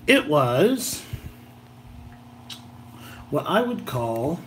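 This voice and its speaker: A man's voice: a little high, very animated, very slow, a bit bright, a little hiss or hum. A slightly tired American man rambling casually through a homemade vlog in a folksy, jokey way. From southern Illinois, United States. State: a little tired. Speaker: gadget video host.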